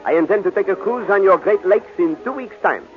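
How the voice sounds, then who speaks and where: An actor playing a courtly, observant detective in an old radio drama, with a French accent and a theatrical, musing way of talking. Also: male voice, high-pitched, lively intonation, brisk, soft background music. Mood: courteous, musing. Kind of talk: 1940s American radio drama acting. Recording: tinny, narrow-band old radio recording.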